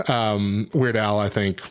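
Male podcast co-host, lowish voice, loose rambling delivery with lots of "uh" and "like". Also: steady tone, drawn-out words, a bit bright. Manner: rambling, laid-back storytelling with frequent fillers. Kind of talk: casual chat.

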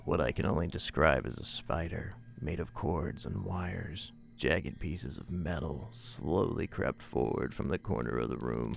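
A man narrating a first-person horror mystery audio drama in a measured storytelling manner. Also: very deep voice, vocal fry. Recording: music bed under voice.

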